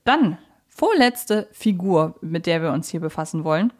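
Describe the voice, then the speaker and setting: A woman's voice: fairly low pitch, big pitch swings, normal speed. Woman hosting a casual podcast discussion. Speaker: podcast host. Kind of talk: casual discussion of audio drama characters.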